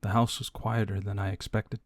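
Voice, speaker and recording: A man reading scripted audiobook narration in a measured, hushed way with deliberate dramatic pauses. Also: on the low side, level tone, no echo, clean studio sound.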